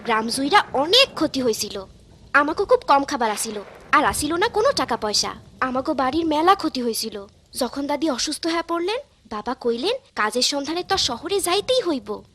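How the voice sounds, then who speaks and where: A woman's voice: sits high, sing-song, moderate pace, a bit bright, slight background noise. A woman voicing a brave young village girl in a cartoon, narrating earnestly. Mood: wistful. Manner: earnest, storytelling. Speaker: narrator and lead character. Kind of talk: dubbed cartoon acting.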